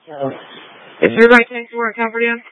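A woman giving brisk, clipped dispatch calls over a walkie talkie. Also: a little high, lively intonation, dry recording. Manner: brisk, clipped call codes. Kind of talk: terse radio dispatch calls. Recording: tinny two-way radio, dry.

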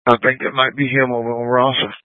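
A man's voice: mid-range voice, flat delivery, fast talker, dry recording. A man, a police officer, calling dispatch over a police radio in clipped codes, matter-of-fact. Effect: police radio transmission. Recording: tinny dry police radio.

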